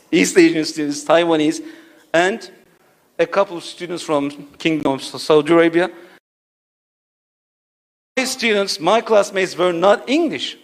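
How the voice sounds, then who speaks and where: Man lecturing, slightly high voice. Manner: rhetorical, checks in with "right?" and "you see". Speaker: conference speaker. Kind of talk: academic lecture. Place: auditorium.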